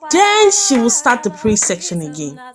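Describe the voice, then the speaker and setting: A woman's voice: a little high, wildly swooping pitch, moderate pace, very noisy. A woman playing a weary, sardonic Nigerian schoolgirl who narrates her family life in an audio drama, with a Nigerian accent. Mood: wry narration. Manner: wry, dramatic complaining. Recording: music behind the voice.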